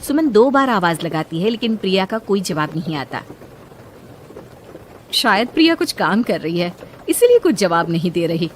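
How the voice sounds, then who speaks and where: A woman narrating a cartoon moral story in an even storytelling manner. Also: medium pitch, normal speed, slight background noise.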